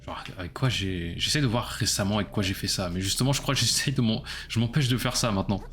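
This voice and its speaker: A man's voice: on the low side, quick pace, fairly bright tone, faint music behind. A man casually commenting on his own gameplay during a live stream, chatty and self-mocking as he talks to his chat.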